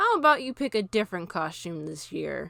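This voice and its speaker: Using a put-on character voice, a woman talks at a fairly quick pace and medium pitch. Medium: read story. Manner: tired, resigned.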